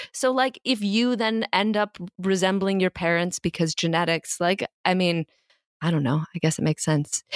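A woman speaks at a moderate pace in an unremarkable speaking voice, her pitch medium with ordinary variation. The sound is dry and close, with no echo. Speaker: actor and baseball fan. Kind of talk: casual chat.

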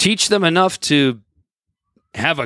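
A man in a normal speaking voice with lively intonation at a moderate pace, the sound dry and close with no echo. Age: 30s. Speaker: podcast co-host. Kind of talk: casual chat.

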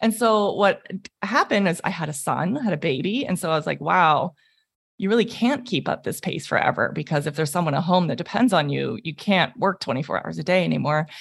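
A woman's fairly quick, lively voice with vocal fry, on a very clean recording with a silent background. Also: fairly low pitch for a woman. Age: 40s. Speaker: physician and coach. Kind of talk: interview. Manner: animated.

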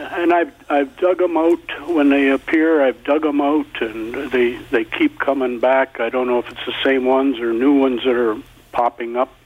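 With a Canadian accent, a man talks at a medium pitch and a moderate pace, using fairly even intonation, hardly any pauses and noticeable background noise behind him. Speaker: caller. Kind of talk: call-in question. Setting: phone call.

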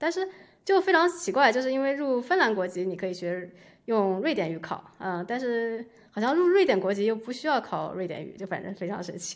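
Her voice fairly high, a woman speaks at a fairly quick pace with very wide pitch swings. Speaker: PhD student. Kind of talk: casual interview chat. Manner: halting, many fillers.

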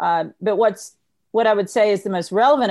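A woman with a Mississippi accent talks at a very fast pace, her pitch varying in an ordinary way. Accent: Mississippi Southern. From US South, Neshoba County, Mississippi. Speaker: newspaper editor. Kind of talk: interview.

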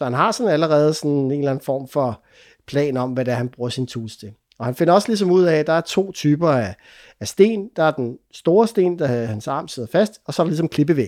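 Intonation rises and falls in a lively way. The speech moves fairly quickly. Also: man, fairly high pitch for a man. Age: 40s. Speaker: climber and outdoor communicator. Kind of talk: interview conversation. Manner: halting, many filler sounds.

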